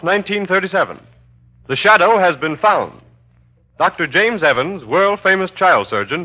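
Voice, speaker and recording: Emphatic old-time radio announcer man. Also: high-pitched. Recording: dull old radio recording.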